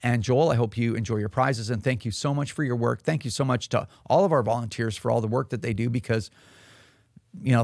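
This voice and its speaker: A man's voice: mid-range voice, creaky, no echo, clean studio sound. A man hosting a podcast, talking casually and rambling through restarts and fillers. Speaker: podcast host. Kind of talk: casual talk show monologue.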